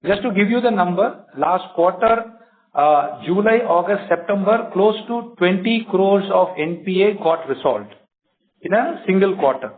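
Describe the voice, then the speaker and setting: A man, a company executive answering analysts' questions on an earnings call, explaining in halting steps with many fillers. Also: high voice. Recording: tinny phone line.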